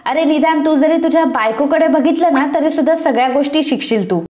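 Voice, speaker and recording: A scornful middle-aged mother nags her idle son, played by a woman narrator. Her voice is high. The recording is roomy. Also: a little fast, darkish tone, natural voice. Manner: scornful, nagging.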